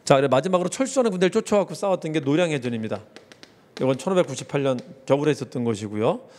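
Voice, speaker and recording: A man gives an exam review lecture on history, repeating key terms and mnemonics as he goes. He talks quickly with a fairly high, animated voice. A long reverb trails behind his words.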